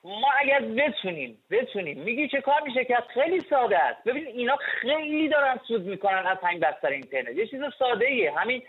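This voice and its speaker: A male caller with a high voice makes an impassioned, emphatic case over a thin phone line. His delivery presses each point home. The sound is narrow and tinny, like a call patched into a radio studio. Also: sing-song, hardly any pauses, breathy edge. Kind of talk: call-in opinion.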